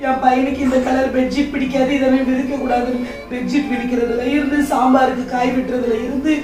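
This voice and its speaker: A woman plays a young wife tormented by her in-laws, pouring out her hurt in a high, emotional voice. It was recorded in a very echoey room from some distance, with soft music behind. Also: little pitch movement, a little fast, close to an everyday voice. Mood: tearful. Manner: emotional and pleading, bursts of anger. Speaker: actor in a church family skit. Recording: echoey room, far mic, faint music.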